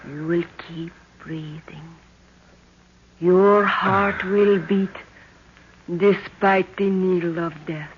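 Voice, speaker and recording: A woman's voice: lowish voice, fairly even intonation, very slow. An actress playing a commanding tribal witch woman in a 1930s radio serial, speaking in formal, incantatory phrases. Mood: hypnotic, commanding. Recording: muffled, noisy 1930s radio recording.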